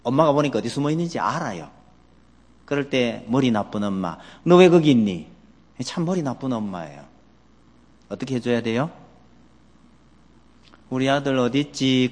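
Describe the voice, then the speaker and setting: A male pastor delivers a sermon with a swinging, expressive pitch, throwing question after question at his congregation. His voice rings out with a long reverb tail, as if recorded in a large church sanctuary. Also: husky. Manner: asks the congregation many questions; animated, acts out quoted voices.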